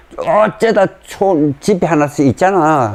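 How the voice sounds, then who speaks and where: A man with a high-pitched voice speaks very slowly with ordinary pitch variation over noticeable background noise. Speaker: war veteran. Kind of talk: interview answer.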